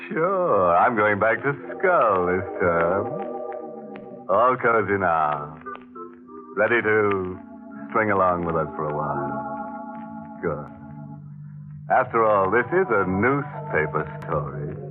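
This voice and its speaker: Slow, ghoulish radio horror host. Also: male voice, sits low, lively intonation. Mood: teasing, macabre. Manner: mock-friendly, teasing, punning, theatrical. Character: ghoulish, gleefully macabre male horror show host. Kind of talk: 1940s radio acting. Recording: muffled vintage radio, music behind.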